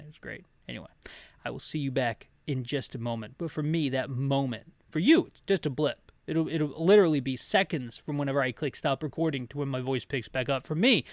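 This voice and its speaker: A man's voice: mid-range voice, no room sound, studio quality. A man giving casual, rambling playthrough commentary, full of slangy, joking asides. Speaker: host of an audio-description game playthrough. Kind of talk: casual playthrough commentary with read-aloud dialogue.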